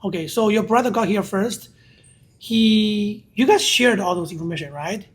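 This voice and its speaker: Husky-voiced host with a Chinese accent. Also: medium pitch, moderate pace. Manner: asks short direct questions, repeats answers back. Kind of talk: casual interview.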